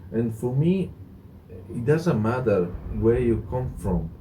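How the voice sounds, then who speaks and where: Italian man, dark voice, halting speech. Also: medium pitch, expressive, slight background noise, low-quality recording. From Italy. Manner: halting, many fillers and restarts. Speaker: guest, hotel director. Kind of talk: casual interview chat.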